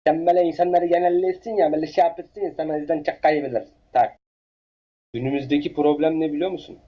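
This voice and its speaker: A man on a casual webcam video chat, lecturing and moralizing at a stranger. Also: fairly high pitch. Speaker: Omegle stranger. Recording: dull lo-fi webcam audio.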